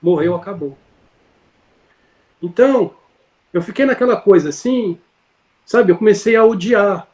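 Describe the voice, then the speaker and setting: A high-voiced man tells his story in a loose, conversational way. He circles back, restarts sentences and leans on fillers. The sound comes through a video call. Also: unhurried, pauses often, a little mellow. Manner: rambling, many fillers and self-corrections. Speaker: interview guest.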